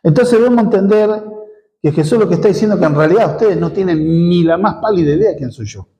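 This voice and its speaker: A man's voice: sits high, animated, quick pace, dark tone, muffled recording. A male pastor with a Rioplatense Argentine accent, teaching an expository sermon in church, asking rhetorical questions as he explains. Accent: Rioplatense Spanish.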